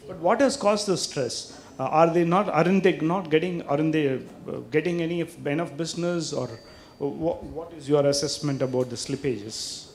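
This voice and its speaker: Indian man questioning, slightly high voice. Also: moderate pace. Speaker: questioner, reporter or analyst. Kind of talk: probing questions on financial results. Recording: faint background noise, room ambience.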